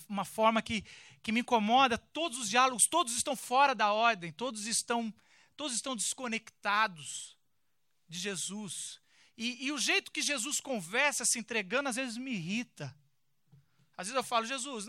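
A man with a Brazilian accent who reads a Bible passage and then talks about it in a casual, animated, joking way, full of slangy asides. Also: extremely high pitch, dry recording, studio quality. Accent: Brazilian Portuguese. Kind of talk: casual reading and commentary.

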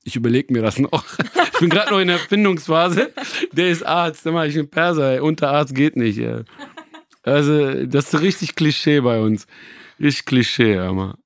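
A man's voice: a little high, moderate pace, no room sound, clean studio sound. A man in his thirties chatting casually, rambling with many fillers, restarts and joking asides. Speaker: hip-hop journalist. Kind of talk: casual chat.

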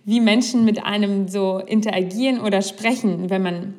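A woman's voice: mid-range voice, steady tone, moderate pace, darkish tone. A young woman hosting a podcast, talking candidly in a casual conversation and thinking aloud with restarts. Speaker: podcast host.

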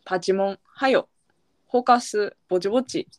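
A woman's voice: mid-range voice, moderate pace, dry recording. A woman with a Kansai accent, a podcast co-host, easygoing in casual chat as she reels off dialect words.

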